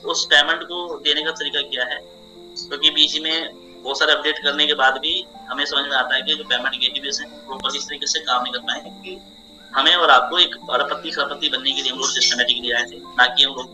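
A man's voice: mid-range voice, flat delivery, fairly quick, pushed and bright, soft background music, poor audio. A young man hosting an online meeting, explaining to a group over a video call with a repetitive, persuasive manner.

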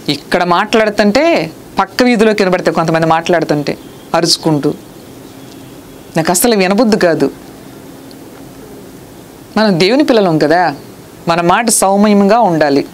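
A woman with a Telugu accent preaching a sermon, earnest and scolding, reading scripture slowly. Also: lowish voice, slight background noise.

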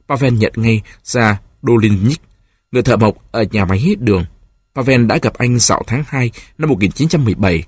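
A man narrating an audiobook in a steady, emotive reading. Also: medium pitch, slightly rough, no room sound, clean studio sound.

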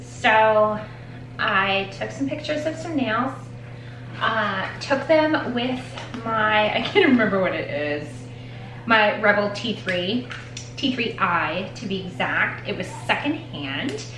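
A woman's voice: medium pitch, expressive, slow, background noise. Chatty rambling woman in an echoey room. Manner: rambling, chatty, self-deprecating. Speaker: nail tech vlogger. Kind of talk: casual vlog chat. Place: home nail studio with shelves of polish.

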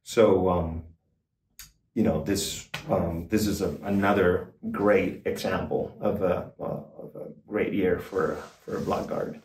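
An older man, a guitar expert guest, explaining in a casual, halting way with many fillers and restarts, in a small backstage room. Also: sits low, a little mellow, far from the mic. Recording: roomy, off-mic, faint noise.

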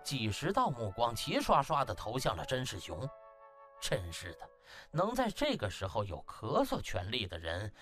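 A man's voice: mid-range voice, fairly bright tone. A man narrating an audiobook as dramatic scripted storytelling, in a theatrical, emphatic manner.

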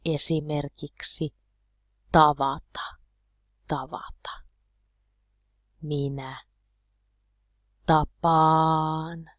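A woman with a low voice teaches a lesson at a slow, deliberate pace, spelling out each word so learners can follow. The sound is dry and a little dull, with no room around it. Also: dry recording. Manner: slow, deliberate, repeating words clearly for learners. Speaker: Finnish language teacher.

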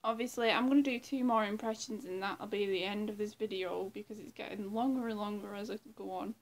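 A woman's voice: mid-range voice, steady tone, brisk. A young woman chatting casually to her webcam in a small room, swearing and laughing often. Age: young adult. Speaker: vlogger. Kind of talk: casual vlog chat.

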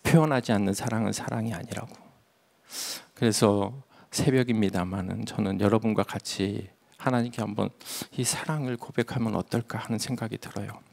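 Low gravelly-voiced male preacher. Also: moderate pace, darkish tone. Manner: storytelling, drops to a near-whisper for emphasis. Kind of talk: sermon. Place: church sanctuary.

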